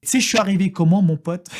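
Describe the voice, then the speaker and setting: A young man from France telling a crude, slangy comic story about a trip, full of swearing and laughing asides. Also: high-pitched. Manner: slangy, vulgar, animated, often laughing. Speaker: vlogger.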